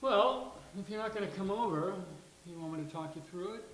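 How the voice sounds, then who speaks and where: A man's voice: high voice, fairly quick, fairly bright tone. A man reading a witty, coaxing gay best friend in a live sitcom table read. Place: live venue with studio audience. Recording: roomy live venue, faint hiss.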